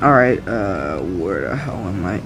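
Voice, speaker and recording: A man's fairly slow speech over noticeable background noise. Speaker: YouTuber reading creepypastas with commentary. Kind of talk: reading aloud with casual commentary. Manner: halting, frequent stumbles.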